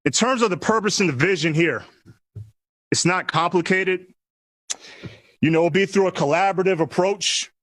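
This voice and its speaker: Middle-aged man, general manager at a podium; emphatic, slightly higher pitch, dry sound. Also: a bit bright, no room sound. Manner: measured, emphatic, repeats key phrases. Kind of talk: press conference speech.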